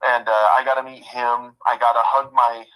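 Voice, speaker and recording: A man of fifty telling a heartfelt personal story in a halting way, often repeating himself. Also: medium pitch, flat delivery, sharp tone, poor audio. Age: 50s. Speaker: guest.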